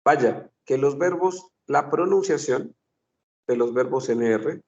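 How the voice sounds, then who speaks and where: A man's voice: mid-range voice, slow pace, vocal fry, darkish tone, distant mic. A man teaching a French phonetics class, patiently repeating sounds and examples. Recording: dull lo-fi recording.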